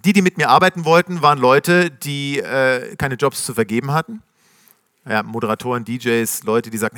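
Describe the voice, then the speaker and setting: A middle-aged man telling his founder story to a live audience in a casual, slangy, animated way, acting out the voices of the people he quotes. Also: medium pitch, no room sound, studio quality. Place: stage before a live audience.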